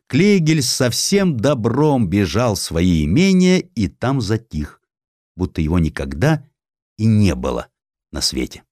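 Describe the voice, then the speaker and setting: Male narrator for historical prose: lowish voice, very varied delivery, wry and theatrical, close dry studio sound. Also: darkish tone, no room sound. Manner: wry, theatrical storytelling with acted quotes. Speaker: audiobook narrator. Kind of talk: expressive dramatized narration of historical sketches.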